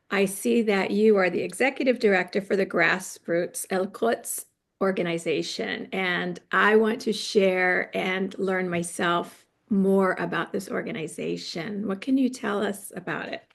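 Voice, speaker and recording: Gravelly-voiced, enthusiastic woman host. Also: medium pitch, unhurried. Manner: enthusiastic, gushing. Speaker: podcast host. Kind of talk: podcast interview.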